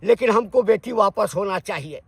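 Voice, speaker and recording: An actor playing a proud, angry old rich father with a Maithili accent, boastful and shouting threats. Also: high voice, moderate pace, gravelly, slightly rough, no room sound, full character voice. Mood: pleading. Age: older.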